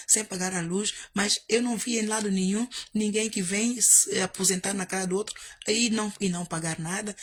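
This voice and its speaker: A woman's voice: medium pitch, fairly bright tone, slightly rough. A woman pastor preaching, telling a story and repeating her points with emphasis. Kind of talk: storytelling sermon.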